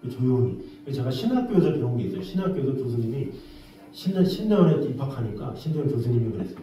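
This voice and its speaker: A man preaching a sermon, telling an everyday story with lively exclamations and then drawing a lesson from it. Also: medium pitch, fast talker, muffled recording. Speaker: pastor. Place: church sanctuary. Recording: very echoey, distant from the mic.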